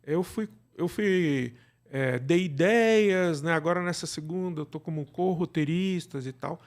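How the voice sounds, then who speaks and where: A man's voice: a little high, a little slow. A man with a Brazilian Portuguese accent, an interview guest chatting casually and giving advice in a colloquial, wandering way. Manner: colloquial, digressive, often seeking agreement with tags. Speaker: interview guest, radio drama creator.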